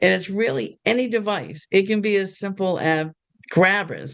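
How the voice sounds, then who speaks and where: A woman with a strong Boston accent speaks with ordinary pitch variation. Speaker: assistive technology consultant, workshop presenter. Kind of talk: online workshop presentation.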